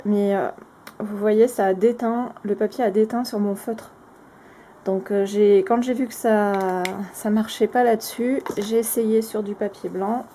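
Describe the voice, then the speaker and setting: A woman with a mellow, warm tone talks through craft supplies she has tested, sounding casual and unscripted. She hesitates often, filling pauses and restarting sentences, yet gives her opinions bluntly. There is a faint hiss behind her voice. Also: mid-range voice. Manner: frank, plainly spoken opinions. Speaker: crafting vlogger reviewing products. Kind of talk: casual product review, showing items to camera.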